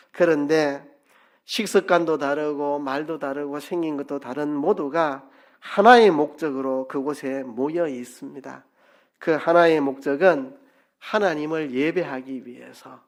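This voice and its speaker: A middle-aged man, a pastor giving an expressive sermon with dialect asides in a church sanctuary. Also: fairly high pitch.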